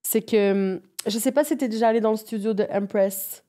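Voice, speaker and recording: Mellow woman chatting in slang. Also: medium pitch, normal speed. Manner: informal, mixes English music slang into French. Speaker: guest, music project producer. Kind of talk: casual interview storytelling.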